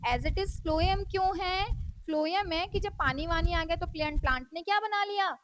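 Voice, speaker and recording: A woman's voice: very high-pitched, normal speed, slight background noise. A woman teaching a school science lesson, asking her class questions and answering them herself, with English terms mixed into her speech. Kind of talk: classroom lecture. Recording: dry, dull lo-fi recording.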